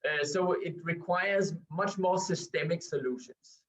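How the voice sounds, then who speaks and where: A man's voice: on the high side, unhurried, a bit bright. A man from Denmark with a Danish accent gives an academic presentation from home over a video call, hesitating often with um and uh. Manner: hesitant, with frequent um and uh fillers and restarts. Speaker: researcher giving a guest lecture. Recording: distant, dull video-call audio.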